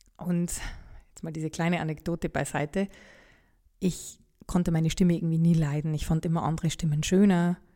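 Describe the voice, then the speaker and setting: This woman has a dark, mellow tone and a fairly low pitch. Her intonation is monotone and flat. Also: fairly quick pace. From Bavaria, Upper Palatinate (rural). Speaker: podcast host, voice and spiritual coach. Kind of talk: personal monologue.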